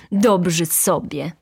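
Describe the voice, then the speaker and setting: A woman voicing a hot-tempered, indignant poor young male student who shouts in outrage. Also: on the low side, husky, full character voice.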